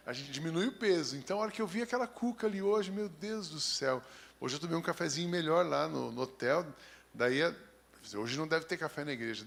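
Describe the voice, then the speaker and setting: Paulistano pastor guy, highish voice, reads the bible then jokes around with the church. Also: vocal fry, a bit bright. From São Paulo, Brazil. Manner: reads scripture steadily, then chats in a folksy, joking way. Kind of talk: sermon with scripture reading.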